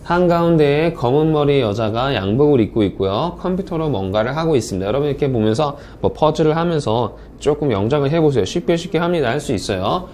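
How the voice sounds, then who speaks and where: A man teaching English speaking test strategies in a recorded online lecture, reading the example words slowly and clearly to show intonation. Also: medium pitch, lively intonation, a little mellow, slight background noise. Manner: upbeat, drills intonation with slow example readings.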